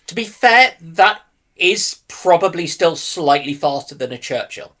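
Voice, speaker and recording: Husky, lively male panelist. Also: on the high side, a little slow. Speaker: livestream panelist. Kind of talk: casual chat.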